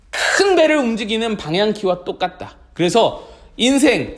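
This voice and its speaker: Man, children's pastor, very high voice, animated sermon for kids. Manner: animated, speaks directly to children with questions.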